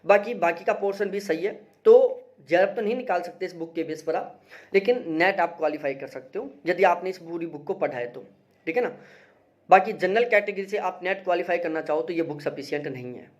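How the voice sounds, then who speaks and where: Talking a little fast in a high, animated voice, a young man who teaches exam prep walks listeners through study books. His review is casual and emphatic, full of repeated advice and regular "theek hai" check-ins.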